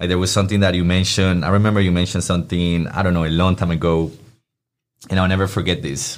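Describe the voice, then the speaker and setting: A man with a Spanish accent talks very fast in a very deep, low voice with fairly even intonation. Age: 20s. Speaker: podcast guest. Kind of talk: casual chat.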